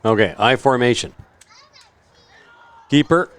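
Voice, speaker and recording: A man's voice: medium pitch, lively intonation, takes it slowly, fairly bright tone, clear, resonant tone, no room sound. A man doing casual play-by-play commentary on a local football game, chatty and joking between plays. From Canada.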